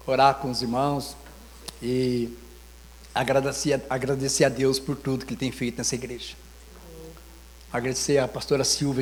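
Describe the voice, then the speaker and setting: A man's voice: medium pitch, in a large hall. A man with a Brazilian Portuguese accent, a pastor preaching an informal sermon full of anecdotes and acted-out dialogue in a church. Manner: storytelling, animated, acts out dialogue. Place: church sanctuary.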